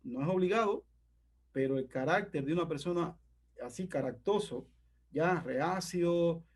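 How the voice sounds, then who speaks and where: A man's voice: on the high side, a little slow. A man preaching a sermon in an earnest, emphatic way, often checking in with his listeners.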